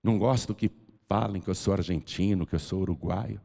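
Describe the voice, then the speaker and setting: A Brazilian man preaching as a pastor, moving between soft pleading and loud, fervent calls to come forward. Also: deep voice, fairly quick, creaky. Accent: Brazilian Portuguese. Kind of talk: preaching a sermon with an altar call. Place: large church hall. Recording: reverberant church hall.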